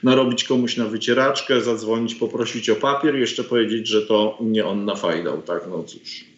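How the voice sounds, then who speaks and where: A man's voice: fairly low pitch, moderate pace. Indignant middle-aged man on a video call. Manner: hesitant, many filler sounds, indignant. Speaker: guest commentator, professor. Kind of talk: political interview over video call. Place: home study with bookshelves. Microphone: video call webcam. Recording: roomy, dull lo-fi call audio.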